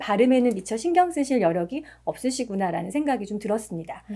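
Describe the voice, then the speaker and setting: Lively intonation runs through a woman's fairly high voice, which has a dark, mellow tone. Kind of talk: professional lecturer. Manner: crisp, clear diction.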